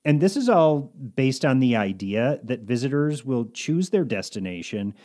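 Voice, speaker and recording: A man co-hosting a casual talk show, chatting in a lively way with a medium-pitched voice. He keeps the talk moving with animated asides. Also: moderate pace. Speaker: podcast co-host. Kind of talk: casual chat.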